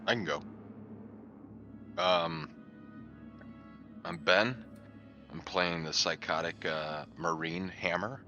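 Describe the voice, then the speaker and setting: Very deep-voiced man, muffled noisy audio. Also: takes it slowly, pauses often, sharp tone, faint music behind. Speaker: tabletop game player. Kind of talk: casual conversational chat. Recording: dull lo-fi audio, clear noise.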